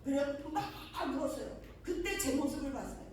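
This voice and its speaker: A middle-aged woman who is a preacher and mission leader gives an emotional testimony sermon, telling her story and acting out its dialogues. Her high-pitched voice is expressive, a little fast and darkish, recorded from afar in an echoey hall with a little hiss or hum.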